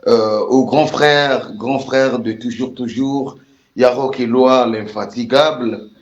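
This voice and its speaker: A Congolese man with a Congolese French accent, a musician guest in a casual interview, repeating warm greetings. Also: mid-range voice, steady tone, slow. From Republic of the Congo. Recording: roomy, dull lo-fi sound.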